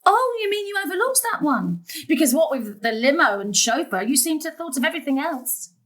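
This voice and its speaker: A woman's voice: high voice, big pitch swings, brisk, fairly bright tone. An actress playing a long-suffering middle-aged daughter and mother in an audio drama, emphatic and sarcastic. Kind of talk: stage-style audio drama acting.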